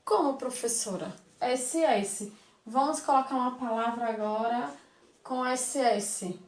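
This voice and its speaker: Slow, affectionate woman teacher in an echoey room. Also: on the high side. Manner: slow, affectionate, repeats questions and sounds out words. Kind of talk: recorded online lesson for children.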